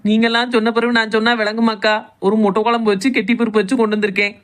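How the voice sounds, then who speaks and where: A woman's voice: on the high side, level tone, racing, close to an everyday voice. A woman voicing a playful, teasing young village woman with a Tirunelveli Tamil accent who is fond of food.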